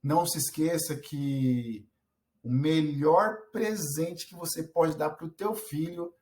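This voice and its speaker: A man's voice: on the high side, slow, a little mellow. A man from Brazil talking earnestly to camera about fatherhood, with frequent restarts and fillers. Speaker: parenting vlogger. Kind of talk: casual talk to camera.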